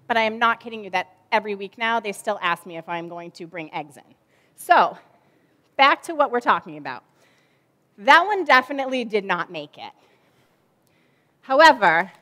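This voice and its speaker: A woman's voice: on the high side, a bit bright. A woman in her forties, a children's ministry director, giving a chatty object lesson sermon from a church stage with lots of fillers.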